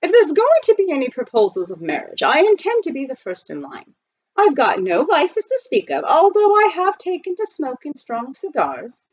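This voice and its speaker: A woman voicing a polite, earnest butler turned gold miner with a formal, halting delivery in a storybook reading. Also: high voice, huge pitch swings, darkish tone, slightly rough, dull audio, pitched above the performer's own voice, full character voice. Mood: flustered, earnest.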